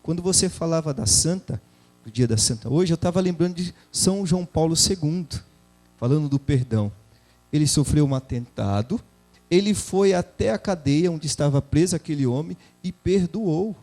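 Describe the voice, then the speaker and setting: A man's voice: on the high side, expressive, moderate pace, dark tone, soft background music. A man co-hosting a Christian television program, speaking earnestly and exhorting listeners to forgive. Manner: earnest, exhorting, uses examples from family life. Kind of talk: religious talk show discussion.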